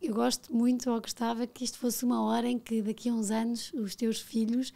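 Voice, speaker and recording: Gravelly low-toned Portuguese woman host. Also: little pitch movement, brisk. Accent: European Portuguese. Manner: warm, encouraging, stumbles on repeated words. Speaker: podcast host. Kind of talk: casual interview. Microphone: studio boom mic with headphones.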